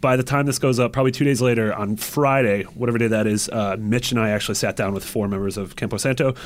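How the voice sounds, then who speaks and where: Fast-talking man with a lowish voice. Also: fairly even intonation. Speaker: podcast host. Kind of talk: casual panel chat about video games.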